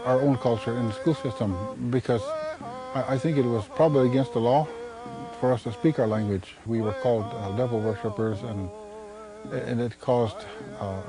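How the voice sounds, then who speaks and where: A Native American man who works in a helping role at schools, speaking earnestly in an interview. He talks haltingly and often repeats words. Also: mid-range voice, poor audio. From United States, Native American. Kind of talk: documentary interview testimony.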